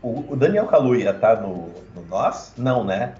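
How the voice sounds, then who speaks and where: A man's voice: mid-range voice, big pitch swings, measured pace, warm tone, echoey room, lo-fi sound. A man co-hosting a casual podcast chat, blunt and opinionated, swearing freely. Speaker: podcast co-host.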